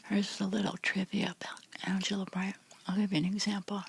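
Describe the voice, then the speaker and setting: A middle-aged woman whispering softly to her viewers in a rambling vlog chat, full of restarts and fillers. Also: medium pitch, level tone, brisk, creaky, slightly rough. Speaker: vlogger.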